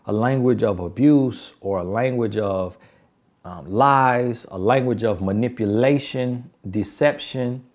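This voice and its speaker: Man, country Southern accent, middle pitch, motivational advice talk, emphatic. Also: darkish tone. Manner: preachy, repetitive, emphatic. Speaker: relationship advice speaker.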